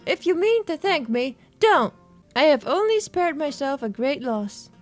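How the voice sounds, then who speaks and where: A woman voicing a gallant, courteous gentleman knight in a visual novel, speaking in formal, courtly phrases. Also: high voice, big pitch swings, measured pace, soft background music.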